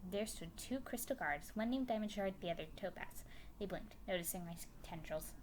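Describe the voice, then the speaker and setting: A woman's voice: mid-range voice, animated, moderate pace, a little hiss or hum, poor audio. A woman narrating a fan story as a dramatic reading. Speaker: story reader.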